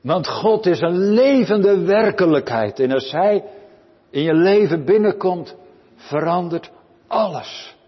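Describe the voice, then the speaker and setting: A male preacher with a husky, somewhat high voice delivers a sermon at a slow, deliberate pace. He questions his hearers directly and earnestly, swinging between soft and loud. The recording is dull and lo-fi, with long reverb from a large church. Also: animated. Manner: earnest, rising to loud pleading then dropping low; addresses listeners with direct questions.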